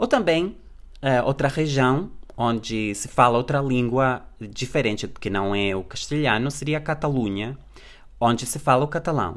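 On a very clean recording with a silent background, a man with a Spanish accent speaks fairly slowly at medium pitch with ordinary pitch variation. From Canary Islands, Spain. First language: Spanish (speaking Portuguese). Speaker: language teacher. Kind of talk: educational podcast lecture. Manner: halting, with frequent fillers.

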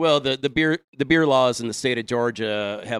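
A man speaks with a Wisconsin accent and ordinary pitch variation. The sound is dry and close, with no echo. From US Midwest, Wisconsin. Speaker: beer enthusiast and engineer. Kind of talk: casual chat. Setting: studio. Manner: talkative.

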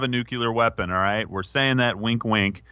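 Bright, sharp tone with ordinary pitch variation on a very clean recording with a silent background. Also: man. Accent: American. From United States. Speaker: foreign affairs commentator. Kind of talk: interview. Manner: passionate.

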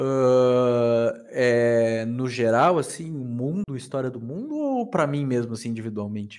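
Speaking at a fairly slow pace with hardly any pauses, a man uses an unremarkable speaking voice of medium pitch and ordinary pitch variation. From Caxias do Sul, Rio Grande do Sul, Brazil. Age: 20s. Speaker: podcast host. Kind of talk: casual chat.

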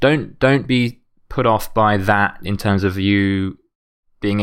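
The recording is very clean, with a silent background. The intonation is fairly even. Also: man. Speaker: podcast host. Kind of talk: solo podcast monologue. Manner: fast; halting, with many repetitions.

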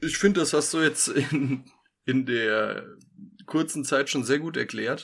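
A man at a very slow pace, with long, frequent pauses and ordinary pitch variation. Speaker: true crime podcast co-host. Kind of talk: casual chat. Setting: video call. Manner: soft.

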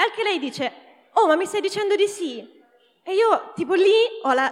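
This woman speaks at a fairly quick pace with lively intonation. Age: 30s. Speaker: podcast host. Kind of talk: casual chat. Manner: halting.

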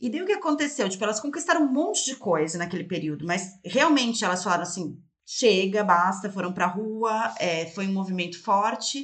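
Pitched at a medium level, a woman speaks fairly quickly with hardly any pauses and very wide pitch swings, with audible room echo. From Brazil, Florianópolis. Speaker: podcaster. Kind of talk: casual chat.

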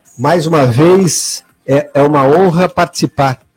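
Over music in the background, a man speaks in a fairly high pitch with ordinary pitch variation. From Brazil. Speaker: shopping mall manager. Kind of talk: radio panel discussion. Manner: halting.

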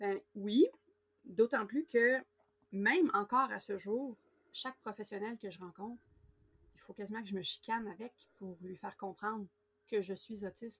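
At a moderate pace with long, frequent pauses, a woman of fairly high pitch and ordinary pitch variation comes through in a dry, close sound with no echo. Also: big swings in loudness. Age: 30s. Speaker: guest sharing personal experience. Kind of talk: casual interview. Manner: loud, talkative.

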